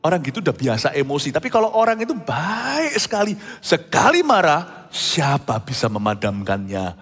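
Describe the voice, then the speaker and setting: A man preaching a sermon as pastor, animated and theatrical, acting out quoted speech and slipping into English phrases. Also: on the high side, moderate pace, breathy edge. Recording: music under voice, long church reverb.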